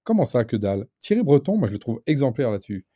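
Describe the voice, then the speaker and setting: Male radio pundit, lively and emphatic, very dark tone, dry close sound. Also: medium pitch, quick pace, breathy edge, dry recording. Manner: animated, emphatic, many fillers and restarts. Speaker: guest commentator. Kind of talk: casual radio discussion.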